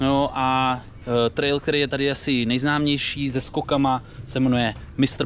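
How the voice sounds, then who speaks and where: A man speaks at a moderate pace. There is light background noise, and the sound is dry with no echo. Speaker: mountain bike rider vlogger. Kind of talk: casual vlog chat. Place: street. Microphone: phone near.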